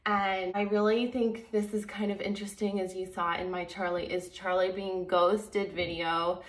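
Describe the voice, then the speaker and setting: A woman's voice: medium pitch, little pitch movement, normal speed, reverberant. A woman hosting a video channel, talking to viewers in a casual, chatty, rambling way. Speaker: host of a true crime video channel.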